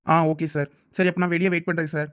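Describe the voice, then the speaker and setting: A man plays a polite, dutiful young son in a cartoon. His voice is high for a man and races along respectfully in a Thoothukudi Tamil accent. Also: level tone, quick pace, muffled recording, close to an everyday voice. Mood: polite, earnest. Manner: respectful, explanatory. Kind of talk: cartoon village drama dialogue.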